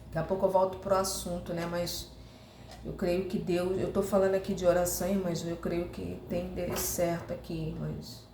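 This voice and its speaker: A woman's voice: on the low side, flat delivery, normal speed. A Brazilian woman preaching earnestly, often addressing her sisters and acting out heartfelt prayers. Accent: Brazilian Portuguese. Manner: earnest, repeating "irmãs" often; acts out heartfelt prayers to the Lord. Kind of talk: sermon. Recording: roomy echo, faint noise.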